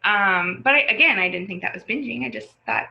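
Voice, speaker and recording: A woman's voice: mid-range voice, expressive, fairly quick, creaky, lo-fi sound. A woman in her forties talking as a podcast guest, chatty and rambling, with lots of fillers and restarts. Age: 40s. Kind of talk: casual conversation.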